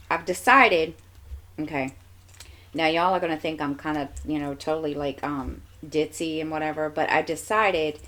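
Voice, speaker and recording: A woman's voice: low-pitched, a bit bright. A woman with a stuffy nose, rambling casually with lots of fillers as a crafting vlogger. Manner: chatty, meandering, many fillers and restarts.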